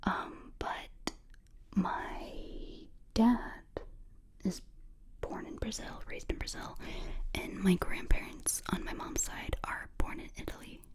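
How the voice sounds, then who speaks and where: A woman in her twenties from the United States, whispering ear to ear as she answers viewer questions in a relaxed, chatty way. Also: mid-range voice, slow. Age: 20s. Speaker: ASMR creator. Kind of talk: whispered ASMR Q&A. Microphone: close binaural mic.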